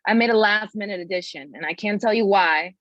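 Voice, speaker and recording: A woman's voice: medium pitch, a little fast, a bit bright, no echo, highs cut off, lightly acted. A woman playing a bold, determined rebel leader at a screenplay table read.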